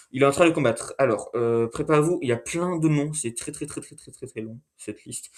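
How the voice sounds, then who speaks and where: Male host, mid-pitched, casual recap delivery, lots of fillers and restarts, self-correcting. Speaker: video host. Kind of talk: casual monthly recap narration.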